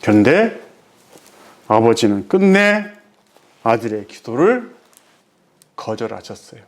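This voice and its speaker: A male pastor giving a sermon, driving his points home with rhetorical questions and swinging between loud emphasis and hushed, quiet phrases. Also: mid-range voice, big pitch swings, takes it slowly.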